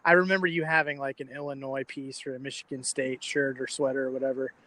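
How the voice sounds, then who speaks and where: A man's voice: mid-range voice, flat delivery, fast talker, pushed and bright, no echo, low-quality recording. A young American man in his twenties from Florida, hosting a casual podcast chat and interviewing a guest. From Florida, United States.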